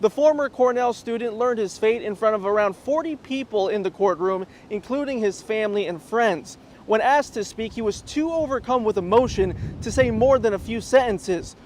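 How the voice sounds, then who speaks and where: High-pitched male TV news reporter. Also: normal speed, hardly any pauses, slight background noise. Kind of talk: scripted news report narration.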